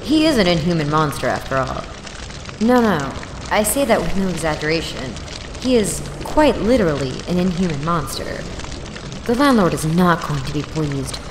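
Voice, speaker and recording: A broke, exasperated young woman telling her own story in an audio drama. Her delivery is sarcastic and self-deprecating, with highly animated pitch. The voice sits in a long reverb with music clearly behind it. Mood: exasperated, angry. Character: snarky, exasperated 24-year-old woman, broke college student. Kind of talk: first-person audio drama narration.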